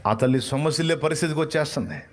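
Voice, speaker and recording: A man's voice: fairly high pitch, racing. Man, preacher, dramatic sermon storytelling, quotes voices.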